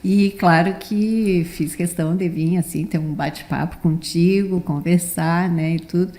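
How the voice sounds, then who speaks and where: A woman's voice: fairly low pitch, steady tone, measured pace, mellow. A woman in her seventies, a theatre director, telling stories from her childhood in a chatty, rambling way. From Brazil, born in Rio de Janeiro, raised in the south. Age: 70s. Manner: chatty, rambling, frequent "né" tags. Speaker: theatre director, interview guest. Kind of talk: relaxed storytelling in an interview.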